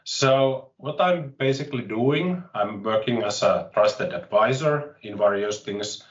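A man in his late forties from Finland with a Finnish accent, chatting as an interview guest in a halting way, often restarting phrases, with wry self-mockery, heard over a video call. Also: lowish voice, lively intonation, reverberant, recorded from a distance, dull audio. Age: late 40s. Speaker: interview guest, tech consultant. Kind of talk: casual interview chat.

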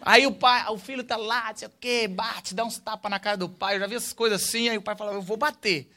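A young man from Brazil preaching a sermon with animated swings between loud, excited stretches and quiet, hushed ones. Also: high-pitched, fast talker. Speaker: pastor.

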